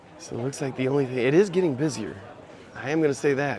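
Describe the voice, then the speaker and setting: Noticeable background noise surrounds this recording. A man speaks at a very fast pace in a medium pitch. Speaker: travel vlogger. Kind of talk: live stream walking tour. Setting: outdoors at a market. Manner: speaking quietly.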